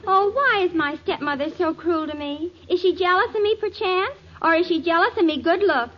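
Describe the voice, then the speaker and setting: A woman's voice: very high voice, normal speed, slight background noise. A woman playing a lovesick, self-pitying young Snow White, mock-melodramatic, in an old radio comedy. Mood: plaintive, lovesick. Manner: girlish, plaintive, mock-melodramatic. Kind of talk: 1930s radio comedy acting. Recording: muffled old radio recording.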